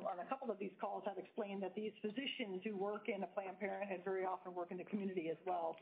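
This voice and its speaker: A woman speaking as a company executive, answering questions on a business conference call over the phone. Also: mid-range voice. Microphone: telephone conference call. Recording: tinny phone line.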